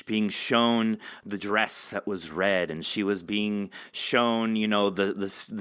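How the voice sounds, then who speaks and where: A man hosting a casual interview, talking in a rambling, animated way and acting out his reactions. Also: lowish voice. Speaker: podcast host interviewing an author.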